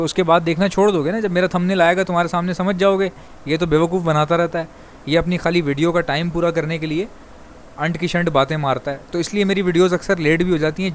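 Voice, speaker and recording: Fast-talking man from Pakistan. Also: a little high. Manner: rapid, chatty, addresses viewers as brother. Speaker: bird breeder vlogger. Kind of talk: fast casual monologue to viewers.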